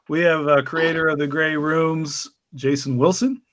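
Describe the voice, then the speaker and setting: A man's voice: on the high side, a bit bright, no echo. A man hosting a podcast and introducing his guests with chatty jokes. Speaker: podcast host.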